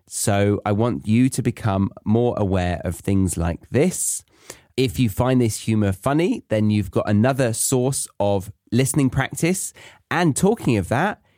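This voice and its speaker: Chatty podcast host. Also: male voice, medium pitch, darkish tone, no echo, studio quality. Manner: chatty and explanatory, with fillers. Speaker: podcast host for language learners. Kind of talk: casual explanatory monologue.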